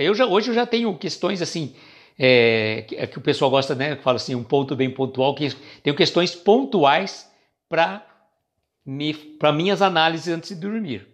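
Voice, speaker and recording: A Brazilian man hosting a spiritist reflection stream, talking casually and greeting viewers by name. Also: mid-range voice. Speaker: host of a spiritist reflection livestream.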